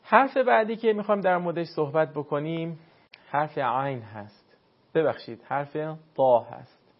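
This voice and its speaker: Man teaching pronunciation, slightly high voice. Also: lively intonation. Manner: explains patiently, demonstrates sounds slowly. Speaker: Quran recitation teacher. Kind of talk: spoken pronunciation lesson. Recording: dull lo-fi sound.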